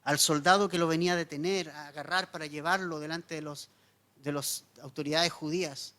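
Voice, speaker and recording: A man preaching a sermon as pastor, telling the story dramatically with wide swings between loud emphasis and hushed lines. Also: on the high side, steady tone, brisk. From Chile.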